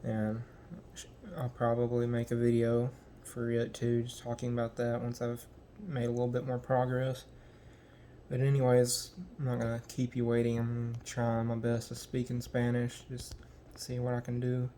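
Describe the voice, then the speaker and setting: A young American man from the United States, talking casually in a vlog and haltingly searching for words with many ums. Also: mid-range voice, monotone, dark tone, slight background noise. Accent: American English. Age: young adult. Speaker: language learner.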